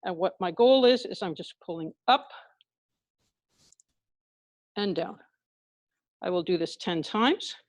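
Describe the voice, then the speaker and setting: A woman leading an exercise class through a face mask, talking calmly step by step as she demonstrates each move. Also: on the low side, slow, pauses often, dry recording, studio quality. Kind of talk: live exercise instruction, demonstrating while explaining. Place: indoors in a hospital building.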